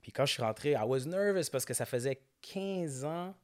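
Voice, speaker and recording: A man's voice: on the high side, normal speed. A young man with a Quebec French accent, telling stories in casual chat and slipping into English. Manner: mixes French and English, animated storytelling.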